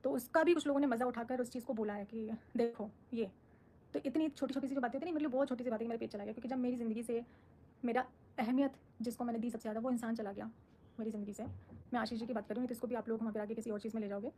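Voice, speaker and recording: A woman's voice: a little high, steady tone, very fast, mellow. A woman on a live stream, answering her viewers' comments in a firm, defensive, outspoken way. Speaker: social media creator on a live stream.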